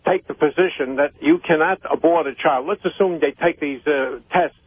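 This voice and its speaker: An older man calling in to a talk show, arguing insistently with halting phrasing. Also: on the high side, slightly rough. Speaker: caller, the host's father. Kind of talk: opinionated phone-in talk. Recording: tinny, narrow phone line.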